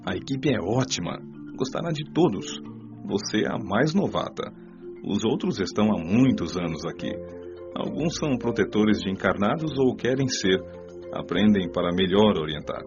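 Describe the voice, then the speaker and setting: A man with a Brazilian accent playing a kindly, instructive spirit mentor in an audio drama, explaining in measured phrases. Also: on the low side, animated, dull audio, music in the background, close to an everyday voice. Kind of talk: audiobook radio drama dialogue.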